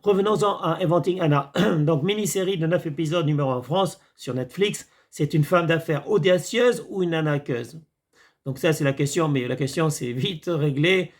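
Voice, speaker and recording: A man's voice: fairly high pitch, moderate pace. A man talking casually to his viewers in a rambling monologue, hesitating often and calling them his friends. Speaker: video commentator. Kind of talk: casual monologue reviewing a series.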